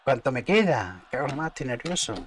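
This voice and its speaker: A man with a Spain Spanish accent commentating his own football video game live, excitable, muttering and cursing at the action. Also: medium pitch, quick pace, a little hiss or hum. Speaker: gaming streamer.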